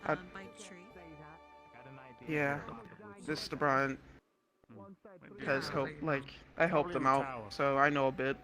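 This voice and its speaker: A man roleplaying in an online virtual world, speaking in a quiet, unsure and halting way. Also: medium pitch, flat delivery, over music. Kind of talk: casual in-character roleplay chat.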